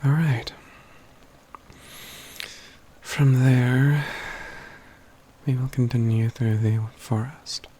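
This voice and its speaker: A man playing a calm, courtly mage companion in a soft-spoken ASMR fantasy roleplay, with measured, halting phrases that often drop to a whisper. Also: mid-range voice, slight background noise, close to an everyday voice. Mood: calm, resolute.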